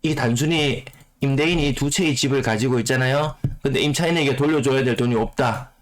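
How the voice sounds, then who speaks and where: A man whose voice is rough from a cold, explaining housing market figures and repeating key phrases for emphasis. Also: medium pitch, a little fast. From South Korea. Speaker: real estate YouTuber. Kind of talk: data commentary on the housing market.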